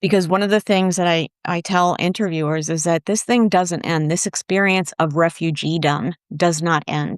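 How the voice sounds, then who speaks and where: Against a quiet background, a woman with fairly low pitch speaks at a moderate pace with hardly any pauses. Her intonation is fairly even, and the sound is dry and close with no echo. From New Hampshire, US (born in Cuba, left at about 6). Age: 60s. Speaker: author. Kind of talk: interview. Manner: halting, with restarts and fillers.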